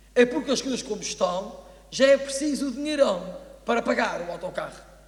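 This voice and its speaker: The pitch of this man's voice is extremely high. He talks at a moderate speed. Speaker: carnival monologue performer. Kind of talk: rhymed comic monologue to a live audience.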